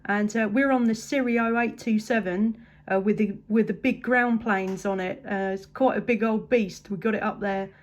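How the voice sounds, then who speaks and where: A woman's voice: mid-range voice, fairly even intonation, normal speed. An English woman chatting casually as a CB radio operator, upbeat and appreciative in manner. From England. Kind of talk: casual radio contact chat.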